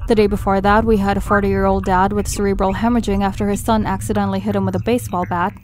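A woman playing a blunt, weary emergency nurse with morbid humor, speaking frankly and deadpan in an audio drama. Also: medium pitch, fast, natural voice. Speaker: voice actor. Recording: noisy, car-like background hum.

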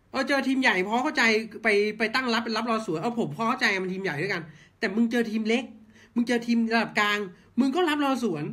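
A man's voice: very high voice, sharp tone. A man ranting blunt football commentary, heated and swearing, firing off rhetorical questions. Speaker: football fan channel host.

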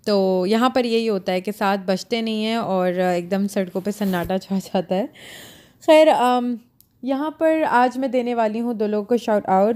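A woman's voice: medium pitch, warm tone. A woman in her thirties from Pakistan, talking casually to her viewers while she vlogs her day. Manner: chatty, addressing viewers directly. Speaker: vlogger. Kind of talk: casual vlog narration to camera. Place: indoor mall, then parked car.

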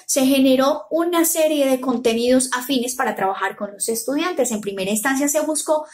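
High-voiced young woman presenting formally. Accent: Colombian Spanish. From Colombia. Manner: measured, formal, enumerating steps. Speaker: teacher presenting a conference paper. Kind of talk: read academic presentation. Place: indoor room, talking to camera.

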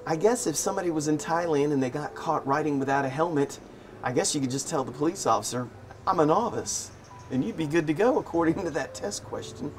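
A man chatting in a relaxed, wry and amused way as he tells everyday stories for his vlog. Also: fairly high pitch, a little fast, faint music behind. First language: English. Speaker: vlogger. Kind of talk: casual storytelling vlog. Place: living in Thailand.

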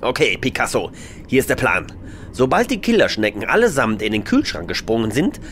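An actor playing a hot-headed, self-important space captain in a comedy audio drama, excitable and theatrical. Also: male voice, mid-range voice, fairly quick. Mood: bossy. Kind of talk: comic sci-fi audio drama acting.

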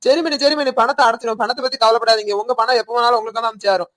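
A man's voice: extremely high pitch, fairly bright tone, no echo. Man doing a defensive indebted husband. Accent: Tirunelveli Tamil. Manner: fast, defensive, pleading. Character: idle indebted village husband and father. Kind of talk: animated cartoon voice acting.

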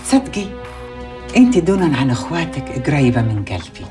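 An actress playing a scheming, vengeful middle-aged village matriarch, gloating and sly. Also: female voice, deep voice, very animated, a little fast. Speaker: mother-in-law. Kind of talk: TV drama acting. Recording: faint music score behind.

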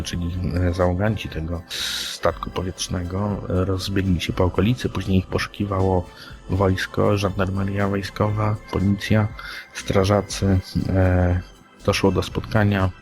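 Low-voiced man co-hosting a podcast. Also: darkish tone. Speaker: podcast co-host. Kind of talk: conversational podcast discussion of news.

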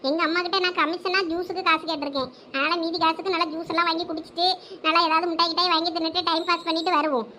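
A woman's voice: very high voice, level tone, rapid-fire, pushed and bright, slight background noise. A young woman acting out a chatty village comedy skit, consoling and teasing a friend.

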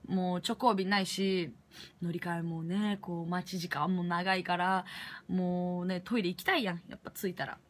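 A woman's voice: on the low side, steady tone, moderate pace, slight background noise. A young woman with a Kansai accent telling a travel story to camera in a casual vlog, acting out her own reactions as she goes. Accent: Kansai Japanese. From Japan. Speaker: vlogger.

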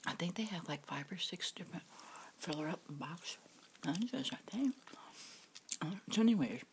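Brief: middle-aged woman vlogger, whispered rambling story over a meal, deep gravelly voice with a faint hiss behind it. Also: expressive, normal speed. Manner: soft whispering, rambling, chewing between sentences. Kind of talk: whispered storytelling while eating.

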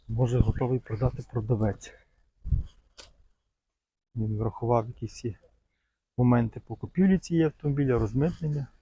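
A man's voice: mid-range voice, dark tone, a little hiss or hum, low-quality recording. A man casually showing cars for sale at an outdoor market, chatting in a loose, rambling way with lots of fond little words. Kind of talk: casual walk-around commentary.

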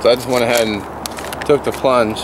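A middle-aged man talks in a relaxed, chatty way as he cooks outdoors at a forest campsite, thinking aloud about what he is doing. His pitch sits in an ordinary middle range. The camera mic picks up clear outdoor noise around him. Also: a little fast. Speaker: camping vlogger. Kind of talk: casual outdoor cooking vlog. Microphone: camera-mounted mic, speaker moving near and away.

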